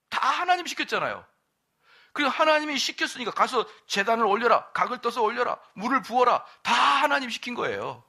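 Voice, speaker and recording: A middle-aged male pastor preaching a sermon at an evening church service, quizzing the congregation and throwing in quick asides. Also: extremely high pitch, bright, forceful tone.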